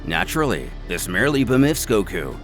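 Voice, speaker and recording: A man's voice: fairly low pitch, big pitch swings, brisk. A man delivering scripted, dramatic narration of a story. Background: music.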